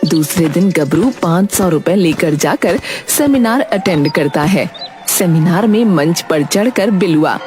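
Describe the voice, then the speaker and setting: A woman with a lowish voice tells a cartoon story in a steady, scripted storybook way. Clear music runs under her narration. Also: measured pace. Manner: even, storybook telling.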